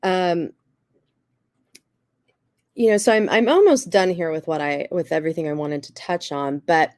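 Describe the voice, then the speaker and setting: Slightly raspy, low-pitched woman, dry sound. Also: normal speed, darkish tone, no echo. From Cherokee Nation. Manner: earnest, fills with "you know" and "um". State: raspy voice with a cough. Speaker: guest speaker. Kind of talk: explanatory talk.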